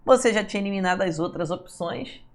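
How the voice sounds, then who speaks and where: This mid-range voice belongs to a Brazilian Portuguese teacher running an online exam-prep lesson for civil service candidates, reviewing the answers. Animated throughout, she elongates words when stressing a rule and keeps checking in with her students by asking "tá, pessoal?".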